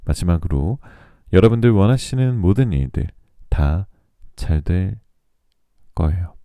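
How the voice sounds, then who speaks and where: A man reading tarot for listeners in a soothing, polite, measured radio-like style, his voice still recovering from a throat cold. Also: low voice, lively intonation, mellow, no echo. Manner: soothing, polite, measured delivery meant to lull listeners to sleep. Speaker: tarot reader and channel host.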